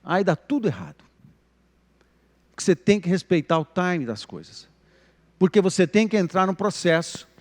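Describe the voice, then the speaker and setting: A man from Brazil, a pastor giving an expressive sermon at a live church service, sometimes dropping to a near whisper. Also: fairly high pitch. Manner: expressive preaching, drops to a whisper at times. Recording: live church recording with long reverb.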